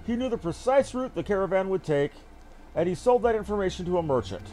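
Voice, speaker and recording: Dutiful army captain, acted by a man, formal archaic report, lively high voice, video game fantasy. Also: quick pace, poor audio. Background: game music.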